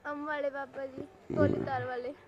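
A tearful, frightened woman giving confused, halting answers. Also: high-pitched, little pitch movement, highs cut off, very noisy.

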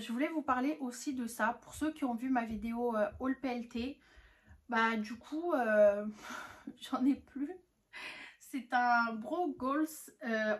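A young woman reviewing used-up beauty products in a casual, frank chat. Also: fairly high pitch. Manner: chatty, frank, lots of "honnêtement" and "franchement". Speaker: beauty vlogger.

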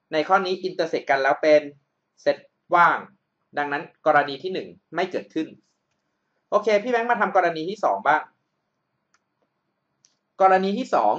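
A man's voice: a little high, fairly bright tone, dull audio. A man tutoring math over a screen recording, explaining each step patiently and checking that the listener follows.

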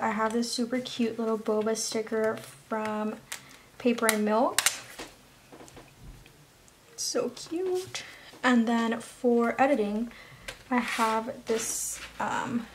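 A young woman, a planner vlogger, chatting casually as she narrates her week, now and then dropping into soft whispers. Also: on the high side. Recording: background noise.

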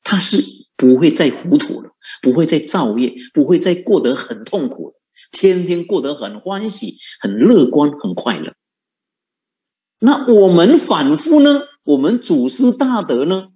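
Lively, animated male Buddhist preacher. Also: fairly high pitch, unhurried. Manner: rhetorical questions, lively and coaxing, chuckles often. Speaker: Buddhist monk teaching. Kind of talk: sermon.

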